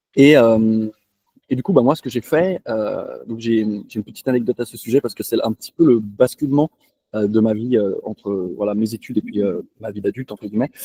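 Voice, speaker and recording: The voice has a dark, mellow tone and moves at a fairly quick pace with ordinary pitch variation and big swings in loudness, in a dry, close sound with no echo. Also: man, medium pitch for a man. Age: 20s. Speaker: crypto investor. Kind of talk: interview. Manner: hesitant, many fillers.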